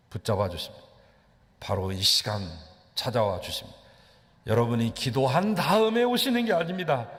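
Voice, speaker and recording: A man preaching a sermon as pastor, telling the story dramatically with sudden rises and drops in his voice. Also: a bit bright. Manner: dramatic storytelling with sweeping pitch leaps. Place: church sanctuary. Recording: long church reverb.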